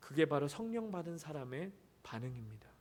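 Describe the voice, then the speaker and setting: Somewhat breathy and fairly high-pitched, a man speaks at a fairly slow pace with audible room echo. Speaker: pastor. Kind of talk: sermon.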